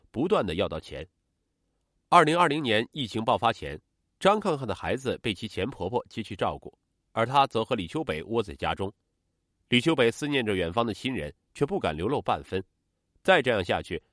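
A man narrating a true-crime case as a scripted story, in a steady, dramatic storytelling manner. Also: mid-range voice, no echo, studio quality.

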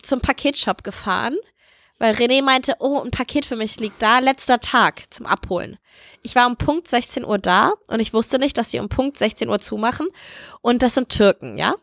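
A woman's voice: a little high, normal speed, vocal fry, fairly bright tone, no echo, clean studio sound. A woman co-hosting a podcast, telling a funny anecdote in casual chat, giggly and self-mocking. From Turkish heritage. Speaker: podcast co-host.

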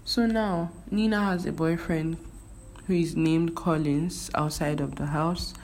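A woman's voice: deep voice, fairly even intonation, unhurried, darkish tone. A young Nigerian woman with a Nigerian accent, whose first language is Igbo, chatting casually on her vlog with lots of fillers and restarts. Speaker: vlogger. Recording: faint background noise.

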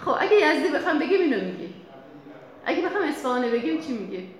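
A woman psychologist leading a workshop, explaining in a lively, chatty way to the audience. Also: sits high. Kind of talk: workshop lecture. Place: workshop room. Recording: very echoey room.

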